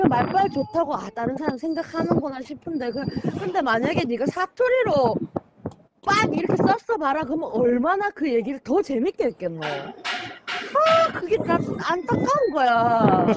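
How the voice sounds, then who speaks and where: Fairly slow speech in a Busan accent, dry with no echo, over loud background noise. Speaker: longtime friend on the phone. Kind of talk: casual phone call with a friend.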